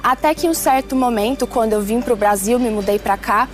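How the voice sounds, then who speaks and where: Earnest young Swiss-born woman, soft music. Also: fairly high pitch. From Switzerland. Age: 20s. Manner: earnest, measured storytelling. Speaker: testimony speaker. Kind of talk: personal testimony.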